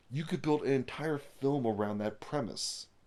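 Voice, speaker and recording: In an American accent, a man with a fairly high voice speaks at a moderate pace in an animated tone. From United States. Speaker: film reviewer. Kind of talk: casual film review monologue.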